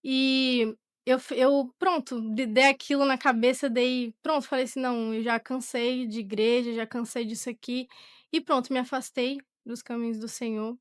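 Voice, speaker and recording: Teen girl w brazilian accent telling her testimony, highish voice, kinda halting, very dry sound. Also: fairly even intonation, clean tone, no echo. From Portugal, born to a Brazilian family. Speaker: podcast guest, young church singer. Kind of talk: personal testimony in conversation.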